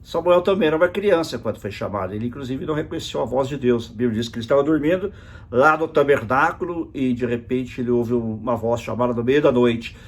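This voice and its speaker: Husky-voiced pastor teaching scripture. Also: male voice, medium pitch, fast. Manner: explanatory, reads scripture aloud with emphasis. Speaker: pastor teaching a Bible study. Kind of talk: virtual Bible study teaching.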